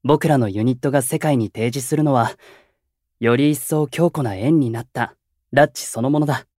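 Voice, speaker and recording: An actor playing a calm, gentle young male idol who keeps the peace in a Japanese voice drama, speaking politely and with composure. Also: medium pitch, normal speed, no echo, studio quality, natural voice. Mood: composed, reasoning. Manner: soft-spoken, composed, polite and reflective. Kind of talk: Japanese anime-style voice drama acting.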